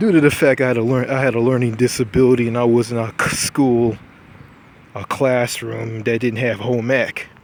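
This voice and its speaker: At a moderate pace and with fairly even intonation, the speaker talks in an American accent over noticeable background noise. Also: man, medium pitch for a man. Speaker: YouTuber. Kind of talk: casual monologue. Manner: halting, repetitive.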